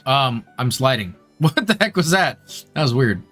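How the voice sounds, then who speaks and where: Game streamer, mid pitch, animated swings, casual reactive commentary, slangy, faint music behind. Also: normal speed. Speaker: streamer, VTuber.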